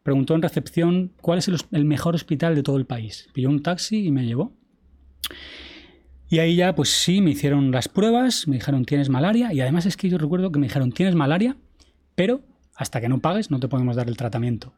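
Man, podcast guest, fairly high mellow voice, lively storyteller who swears casually. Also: a little fast. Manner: vivid retelling, acts out quoted dialogue, swears casually.

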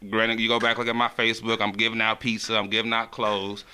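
Bright-voiced African American man, slangy and jovial. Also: on the low side, monotone, fast talker, clear, resonant tone. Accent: African American English. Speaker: interview guest. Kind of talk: casual animated chat.

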